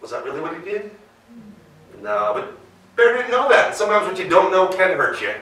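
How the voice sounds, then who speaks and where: A man's voice: high voice, big pitch swings, fairly quick, pushed and bright. An American man telling a folktale live, playfully putting questions to his listeners. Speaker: storyteller. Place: live event room with audience. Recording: roomy live hall, distant mic.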